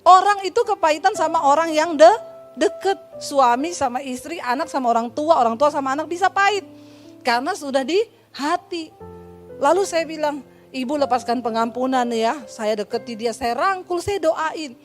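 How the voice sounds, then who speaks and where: A woman pastor with an Indonesian accent preaching a sermon, telling stories lively and acting out the voices of the people in them with humorous asides. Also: sits high, normal speed, faint music behind. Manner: lively storytelling, acts out dialogue, humorous asides.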